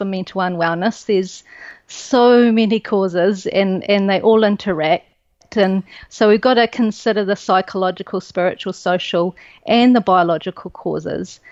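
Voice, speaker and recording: A woman in a New Zealand accent, medium pitch, ordinary pitch variation and a moderate pace. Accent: New Zealand, broad. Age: 40s. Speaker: biochemist and natural medicine practitioner. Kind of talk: podcast interview.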